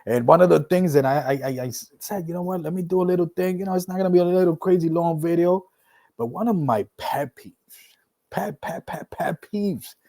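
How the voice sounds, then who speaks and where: A middle-aged man from Puerto Rico with a mixed Puerto Rican and New York accent, hosting a casual solo podcast, animated, with loud whoops and repeated words while he gathers his thoughts. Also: high-pitched, brisk. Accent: Puerto Rican and New York mix. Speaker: podcast host.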